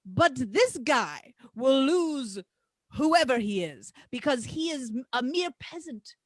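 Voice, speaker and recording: A brash, boastful male wrestler played by a woman cuts a promo in a high, dry-sounding voice. The delivery is slow and emphatic, full of crude taunts and grand self-praise. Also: lively intonation, no room sound, exaggerated voice. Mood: boastful, grandiose. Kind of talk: staged reading of wrestling promos.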